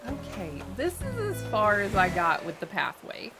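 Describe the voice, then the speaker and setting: A woman chatting casually with her live-stream viewers as she plays, friendly and quick to laugh, her voice a little nasal from a cold. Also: medium pitch, wildly swooping pitch. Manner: chatty, friendly, thanks chat often, laughs a lot. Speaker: game streamer. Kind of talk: casual live-stream chat while playing. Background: loud game music.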